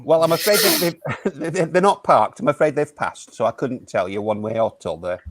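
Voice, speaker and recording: A man's voice: mid-range voice, very animated, no room sound. A man playing a hesitant, awkward radio DJ who keeps stammering and restarting while talking to callers. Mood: flustered. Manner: flustered, hesitant, halting. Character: awkward radio DJ host of a small station. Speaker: improv performer.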